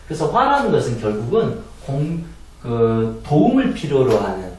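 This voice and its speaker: A man lectures on meditation and letting go of anger, speaking in an earnest, explanatory way with rhetorical questions. His pitch moves a lot as he explains. He is heard from a distant mic in a very echoey room. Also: wildly swooping pitch, normal speed, darkish tone. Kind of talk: spoken lecture on calming anger.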